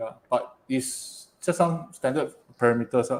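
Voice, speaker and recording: This man has a plain, everyday voice pitched fairly high. His pitch varies in an ordinary way. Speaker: podcast co-host. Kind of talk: casual chat. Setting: livestream.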